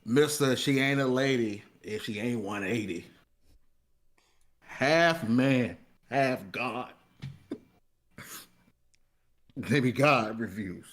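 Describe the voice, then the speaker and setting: A man's voice: medium pitch, very slow, long pauses, a bit bright. A man hosting a casual live talk show and introducing the panel. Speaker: host.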